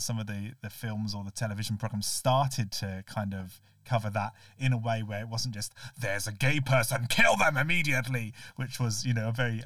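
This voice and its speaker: A man's voice: medium pitch, a bit bright, dry recording, far from the mic. A man hosting a podcast, speaking thoughtfully and hesitantly and rephrasing as he goes. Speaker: podcast host. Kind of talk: casual podcast conversation.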